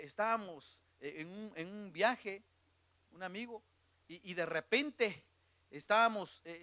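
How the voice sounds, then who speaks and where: A middle-aged man preaching a sermon, telling the story dramatically, dropping to a hush and then swelling again. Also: sits high, no echo.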